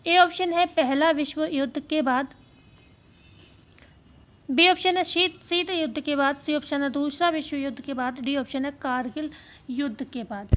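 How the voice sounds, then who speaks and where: High-pitched lady teacher, slow, repeats stuff for notes. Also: fairly even intonation, fairly bright tone. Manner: repeats key phrases slowly for dictation. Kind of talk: exam-prep lesson.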